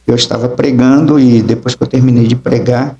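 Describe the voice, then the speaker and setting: A man's voice: mid-range voice, steady tone, fairly quick, mellow, muffled recording. A middle-aged man, an apostle and preacher, telling his testimony emphatically in an interview and acting out the dialogue. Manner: emphatic storytelling, acts out dialogue.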